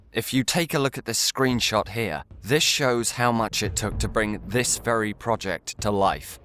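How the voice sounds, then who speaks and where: A man's voice: fairly low pitch, fairly bright tone. A man giving a scripted, earnest address to viewers as a video creator, articulate and slightly formal.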